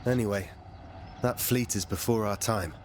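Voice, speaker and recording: A man's voice: fairly low pitch, moderate pace, a little mellow, a little hiss or hum, lightly acted. Man playing an earnest warrior in a reverberant space. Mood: wondering. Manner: earnest, questioning, dry. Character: earnest young male warrior, curious, dryly skeptical. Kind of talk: video game dialogue. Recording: long reverb, faint music behind.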